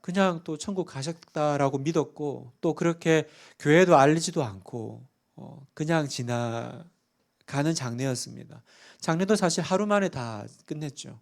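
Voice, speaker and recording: Higher-voiced male pastor preaching earnestly. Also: normal speed, creaky. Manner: earnest preaching, often asks the congregation questions. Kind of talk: sermon. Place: church sanctuary.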